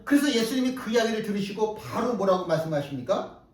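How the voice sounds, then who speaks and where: A man preaching a sermon in a high, lively voice that climbs and drops sharply. He presses his points with rhetorical questions and repeats phrases for weight. The sound is roomy and a little distant, as if picked up across a reverberant church hall. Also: fast talker. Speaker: pastor. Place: church sanctuary. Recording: echoey hall, mic at a distance.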